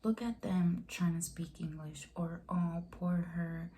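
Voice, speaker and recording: A young woman with a Mexican accent who stutters, talking casually to her vlog camera in a soft, breathy voice. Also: lowish voice, slight background noise. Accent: Mexican Spanish. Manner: stuttering, with short pauses and fillers. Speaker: vlogger.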